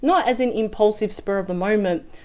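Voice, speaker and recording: A woman with a husky, slightly weak voice as she gets over a sore throat, reading tarot cards. She talks in a chatty way, thinking aloud and often checking in with "right?". Her pitch sits in an ordinary middle range. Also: brisk, darkish tone. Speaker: tarot reader. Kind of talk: weekly tarot card reading.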